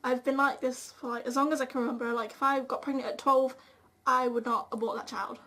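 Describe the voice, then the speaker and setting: A woman's voice: high voice, steady tone, a little fast, pushed and bright. A young woman giving her opinions in an informal, chatty way as a vlog co-host. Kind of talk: casual, chatty discussion.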